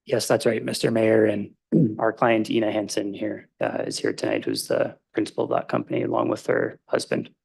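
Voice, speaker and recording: Gravelly, husky man answering council. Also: on the low side, lively intonation, normal speed, hardly any pauses, a little mellow, low-quality recording. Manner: formal, addresses the chair, hesitant fillers. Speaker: planning consultant for the applicant. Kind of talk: answering questions at a council meeting.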